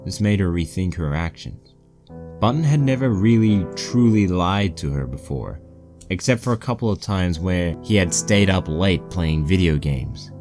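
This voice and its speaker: A man's voice: deep voice, lively intonation, normal speed. A man reading a fan fiction story aloud as scripted narration. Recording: poor-quality mic with music bed.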